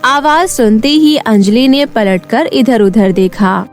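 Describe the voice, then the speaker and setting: A woman's voice: a little high, takes it slowly, soft background music. A woman narrating a scripted children's story as a storyteller.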